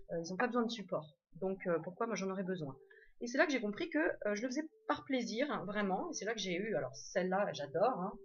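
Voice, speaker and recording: A woman's voice: medium pitch, lo-fi sound. A woman casually showing her tarot and oracle card decks, chatty, with many fillers and restarts. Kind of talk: casual show-and-tell.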